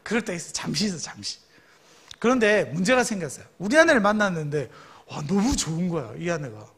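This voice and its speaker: A man's voice: sits high, sing-song, fairly quick, a bit bright, husky. A man in his thirties, a youth pastor, preaching a sermon in a storytelling way and asking the congregation questions.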